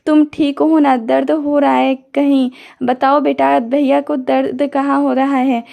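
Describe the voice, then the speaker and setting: A caring older brother from an audio drama soothes and reassures in a tender way, read by a woman narrator. The voice stays high and fairly flat, with a gravelly edge. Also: measured pace. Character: protective loving older brother, gentle but firm.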